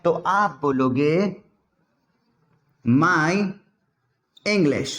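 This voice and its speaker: Slow, high-voiced man teaching English. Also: reverberant. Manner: chatty, repeats example sentences slowly for drilling. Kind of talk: spoken English lesson in Hindi.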